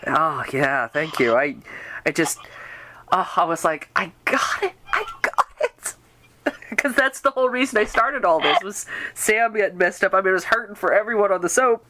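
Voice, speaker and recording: A woman's voice: medium pitch, animated, moderate pace, sharp tone. A woman hosting a casual fan interview, telling stories in an enthusiastic, rambling way. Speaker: podcast host and radio drama writer.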